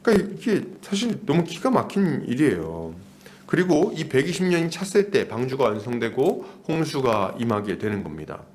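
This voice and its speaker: A man's voice: mid-range voice, huge pitch swings, normal speed, darkish tone. A man of about forty preaching an expository sermon as a pastor, using emphatic repetition and rhetorical questions.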